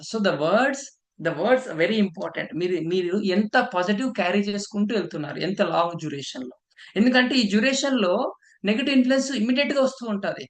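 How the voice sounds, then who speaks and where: A man from India leads a training session at a brisk clip, reading out points one by one and checking that listeners follow. His voice sits at a middle pitch and rings a little in an echoey room. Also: a bit bright. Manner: checks in with listeners, frequent "okay"; walks listeners through a questionnaire item by item. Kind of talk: training lecture.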